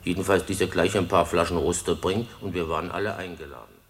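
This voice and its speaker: An actor playing a deferential village witness in a German radio play, giving his account in a careful, halting manner. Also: low-pitched, steady tone, crowd noise, natural voice. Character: hesitant, deferential village witness recounting an evening.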